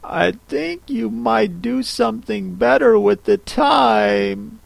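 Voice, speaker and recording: A man voicing a polite, puzzled young girl who speaks softly and cautiously. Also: high-pitched, creaky, no room sound, pitched above the performer's own voice, heavily acted. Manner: polite, cautious, soft and slow.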